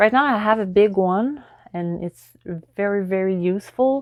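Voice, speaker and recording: A woman speaks at a medium pitch. She has a non-native accent. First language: not English. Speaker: unboxing youtuber. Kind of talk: unboxing video. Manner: animated.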